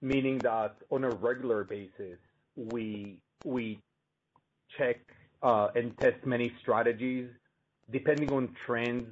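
A male company executive giving measured, explanatory answers on an earnings call. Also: mid-range voice, steady tone. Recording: muffled, noisy conference call line with clicks.

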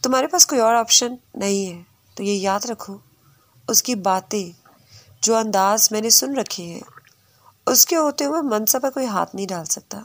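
A woman's voice: mid-range voice, moderate pace, lightly acted. A woman reading the part of a worried young man who speaks in cold, curt commands.

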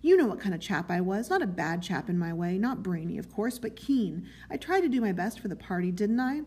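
A woman's voice: medium pitch, fairly quick, warm tone, close to an everyday voice. A woman voicing an eager, servile man in a novel, miserable yet proud, with a pleading, chummy, self-justifying manner. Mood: anxious pleading.

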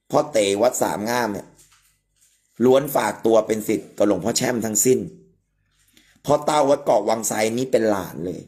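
A man hosting a live stream about amulets, talking in an emphatic, explanatory way. He uses a lot of polite particles and points out details as he goes. His pitch sits in an ordinary middle range for a man. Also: darkish tone. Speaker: amulet expert host.

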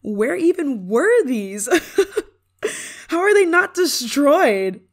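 A woman's voice: high voice, big pitch swings, very slow, full character voice. A woman playing a prickly, homesick young performer in an ASMR roleplay, grudging in manner but secretly fond of an old friend. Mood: amazed, amused. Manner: tsundere, grudging, sighing, secretly affectionate. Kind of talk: ASMR roleplay, acted monologue to listener.

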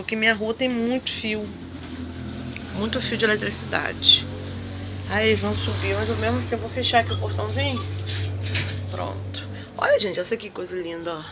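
Chatty woman with a gravelly voice. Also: mid-range voice. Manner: chatty, gushing, addresses viewers as "gente". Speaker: home vlogger. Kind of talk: casual home vlog. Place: house porch and kitchen at dusk. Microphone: handheld phone at arm's length.

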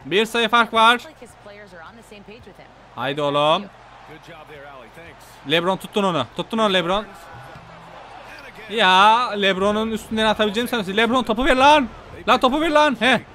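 Excitable high-voiced man calling his game. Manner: excitable, talks to the game players and viewers. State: voice going hoarse. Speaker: gaming YouTuber. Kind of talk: excited gameplay commentary.

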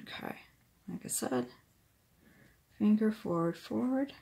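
A woman's voice: medium pitch, slow, vocal fry, warm tone. A woman giving a casual hands-on craft demonstration, talking herself through each step. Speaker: craft tutorial host, independent product demonstrator. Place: indoors at a wooden craft table.

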